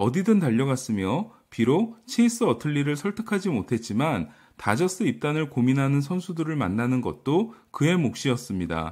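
A man with a fairly high pitch speaks at a moderate pace with very wide pitch swings on a very clean recording with a silent background. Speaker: baseball YouTuber. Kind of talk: scripted narration.

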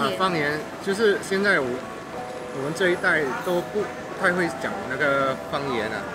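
Moderate pace over loud background noise. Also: man. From Singapore. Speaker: vlogger. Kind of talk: casual vlog conversation. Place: cafe. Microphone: phone near.

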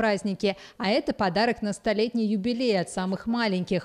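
Here is a woman with an unremarkable speaking voice and fairly high pitch. She keeps a moderate pace with ordinary pitch variation. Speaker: TV news reporter. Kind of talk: TV news report narration.

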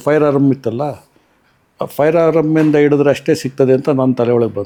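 A man's medium-pitched voice, dark and mellow in tone, with ordinary pitch variation over a quiet background. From Tumakuru, Karnataka. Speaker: retired police officer. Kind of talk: interview storytelling.

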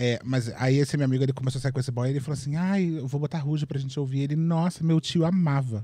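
Over a quiet background with dry sound and no echo, a man talks at a very fast pace in a dark, mellow, somewhat breathy tone with fairly even intonation. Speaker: podcast host. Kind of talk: casual comedic chat. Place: studio. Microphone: studio mic.

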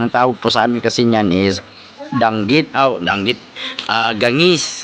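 Over noticeable background noise, a man talks at a medium pitch and moderate pace with ordinary pitch variation. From Philippines, Hinatuan, Surigao del Sur. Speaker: travel vlogger. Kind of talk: walking vlog narration. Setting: outdoors, walking around town. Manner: halting, many fillers.

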